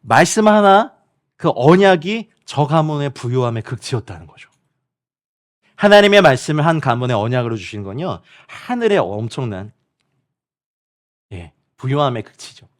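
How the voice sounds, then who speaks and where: A man's voice: mid-range voice, moderate pace. A man preaching as a missionary at a midweek prayer meeting, speaking directly to the congregation and online viewers and often acting out other people's words. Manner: animated, acts out quoted people and laughs often while preaching.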